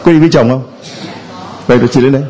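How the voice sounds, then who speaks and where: A man's voice: medium pitch, steady tone, racing, dark tone, a little hiss or hum. A man, a Catholic priest, giving a sermon and playfully teasing members of the congregation. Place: church.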